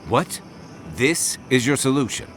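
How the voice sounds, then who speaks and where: A man's voice: mid-range voice, expressive, a little slow, a bit bright, soft background music. An actor playing a principled male companion in a video game, earnest and emphatic. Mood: appalled. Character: outraged, principled male companion pleading for innocents.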